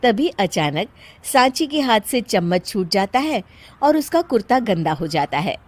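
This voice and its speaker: A young woman narrating a cartoon story calmly. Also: mid-range voice, unhurried, a little hiss or hum. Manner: calm, plain storytelling.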